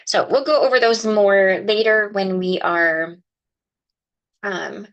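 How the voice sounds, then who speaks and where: A woman's voice: mid-range voice, slow pace, highs cut off. A woman hosting a live card-making stream in a chatty, explaining way, chatting with viewers by name and a little sniffly from a cold. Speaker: crafting livestream host. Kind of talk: casual live craft demonstration.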